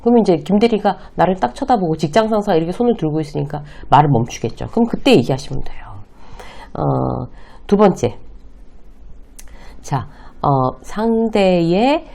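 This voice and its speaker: A woman's voice: on the low side, creaky, mellow. A middle-aged woman giving a lecture on workplace communication, explaining point by point and acting out short example lines. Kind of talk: lecture to camera.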